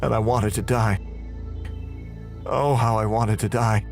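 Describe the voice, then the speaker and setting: A man's voice: fairly low pitch, steady tone, measured pace, gravelly, soft background music. A man performing scripted, dramatic first-person narration for a horror audio drama.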